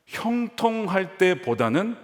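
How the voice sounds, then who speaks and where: A man preaching a sermon as pastor, asking the congregation rhetorical questions and swinging between emphatic lines and hushed ones. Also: high voice, sing-song, slow. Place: large church sanctuary. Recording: long hall reverb of a church.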